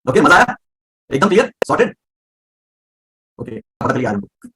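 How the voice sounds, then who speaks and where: A man teaching a live voice class, explaining breathing, volume and pitch with everyday examples and often checking whether students follow. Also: very animated, normal speed, pushed and bright, a little hiss or hum. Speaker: voice coach.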